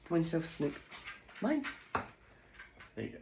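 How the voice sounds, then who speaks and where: Man, slow-talking, casual kitchen commentary, roomy sound, dishes and pans clattering behind. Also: fairly high pitch, sing-song, background noise. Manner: chatty, talks to his dog and viewers as he works. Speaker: vlogger. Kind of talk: casual running commentary while doing kitchen chores. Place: home kitchen. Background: dishes and kitchen clatter, a fridge gurgling.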